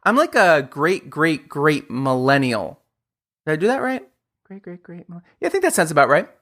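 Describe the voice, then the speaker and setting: A man hosting a podcast, joking playfully and talking in an animated, upbeat way. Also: on the high side, moderate pace. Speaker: podcast host.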